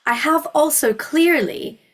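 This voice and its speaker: A woman's voice: high voice, unhurried. A woman with a Scottish accent hosting a university webinar, explaining things informally in a reassuring, encouraging way. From Scotland.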